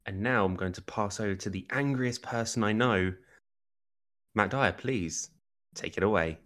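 A man's voice: fairly low pitch, normal speed, a bit bright. A man co-hosting a podcast, chiming in with dry teasing remarks. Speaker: podcast co-host. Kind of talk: casual chat.

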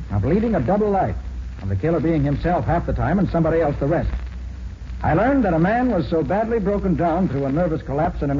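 An actor playing a shrewd, commanding detective in a 1940s American radio drama, speaking in brisk declarations. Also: male voice, fairly high pitch. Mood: accusing, assured. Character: confident master detective, shrewd and authoritative. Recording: dull, hissy 1940s radio recording.

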